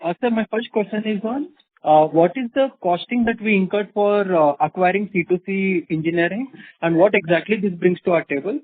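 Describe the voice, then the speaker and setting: A man's voice: sits high, a little fast, no echo. A man with an Indian accent asking questions as an analyst on a call, deferential and a little hesitant. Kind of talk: unscripted question and answer. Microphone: telephone. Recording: dry tinny phone line.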